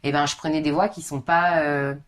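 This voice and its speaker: A young woman with a deep, husky speaking voice talks loosely and informally as a podcast guest. She strings long stories together with lots of casual fillers. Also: fairly even intonation, normal speed. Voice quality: low husky voice. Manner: chatty, informal, many fillers.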